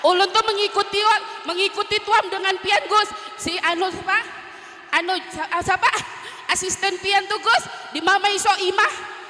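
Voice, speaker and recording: A woman from Central Kalimantan, an audience member talking haltingly and repeating herself. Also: very high voice, fairly even intonation, sharp tone. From Central Kalimantan, Indonesia. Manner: halting, repeats words, searches for names. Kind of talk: casual chat. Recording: roomy hall reverb with faint noise.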